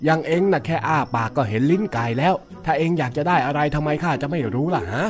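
A man voicing a gruff, exasperated old village uncle who scolds and teases a boy. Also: fairly high pitch, fast, natural voice. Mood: teasing. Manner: scolding, grumbling, teasing. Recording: music bed underneath.

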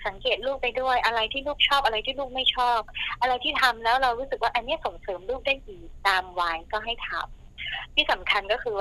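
A woman speaking gently and explaining parenting tips in a casual podcast chat, now and then acting out short quoted lines. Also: fairly high pitch, rough recording. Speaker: parenting expert guest.

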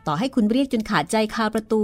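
Lady doing a huffy young woman, higher and sharper than narration, music faint. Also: expressive, fast, close to an everyday voice. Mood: indignant. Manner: sharp, refusing. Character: proud angry young woman, sulking.

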